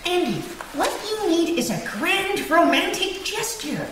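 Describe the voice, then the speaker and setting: A woman voicing a nerdy, pedantic, earnest younger brother in an animated sitcom read. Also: very high-pitched, measured pace, full character voice. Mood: eager. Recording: distant, very echoey, noisy room.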